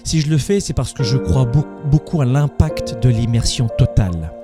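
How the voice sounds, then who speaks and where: An emphatic male host takes live calls on a motivational show. He drives his points home, often doubling his words as he builds. Soft music plays faintly behind him. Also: medium pitch, lively intonation, moderate pace.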